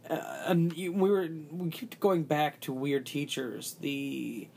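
Casual podcast co-host, mid pitch, rambling, filler-heavy delivery. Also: slow pace, vocal fry, mellow, a little hiss or hum. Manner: rambling, heavy use of "like", many restarts. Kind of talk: casual movie discussion.

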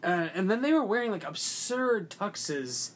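Casual podcast co-host, mid pitch, rambling, filler-heavy delivery. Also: expressive, unhurried, slightly rough. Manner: rambling, heavy use of "like", many restarts. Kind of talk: casual movie discussion.

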